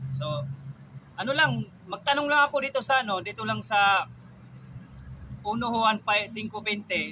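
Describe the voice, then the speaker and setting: This is a man speaking. His pace is moderate. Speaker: channel owner debating religion. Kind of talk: online religious debate. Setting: online live session, not in studio, on mobile data. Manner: loud.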